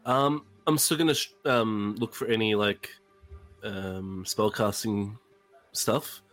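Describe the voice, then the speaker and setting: A man's voice: lowish voice, fairly even intonation, takes it slowly, a bit bright, faint music behind, poor audio. A man chatting casually as a player in a tabletop roleplaying game, thinking aloud hesitantly as he decides what to do.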